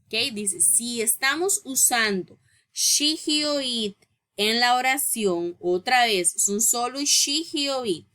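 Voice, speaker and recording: Slow, bright-voiced woman teaching English. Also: on the high side, animated. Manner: patient, explains step by step, checks in with "¿ok?" and "¿ves?"; reads English rules slowly and deliberately. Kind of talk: recorded grammar lesson.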